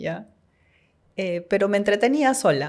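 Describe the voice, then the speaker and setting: A woman's ordinary speaking voice, medium in pitch, with lively intonation. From Peru, Lima. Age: 50s. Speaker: author. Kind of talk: interview.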